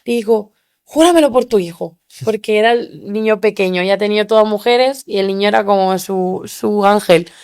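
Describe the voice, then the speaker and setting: A young woman from Spain, a podcast guest, telling her story in an animated way and acting out the people she quotes. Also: medium pitch, normal speed, few pauses, smooth. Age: young adult. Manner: animated, acts out quoted voices. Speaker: interview guest.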